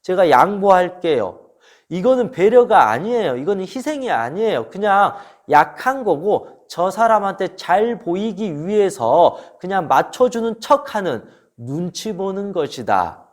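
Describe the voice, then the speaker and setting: High, lively-voiced man giving a lecture. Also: unhurried. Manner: emphatic, didactic, poses rhetorical questions. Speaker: lecturer on relationships and counseling. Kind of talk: spoken lecture to camera.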